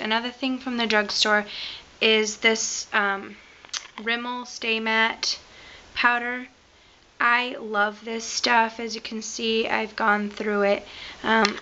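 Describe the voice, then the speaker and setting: A woman beauty vlogger, a little raspy from being sick, chatting casually through a product review with lots of "um" and "like". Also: fairly high pitch, pushed and bright, muffled recording, slight background noise.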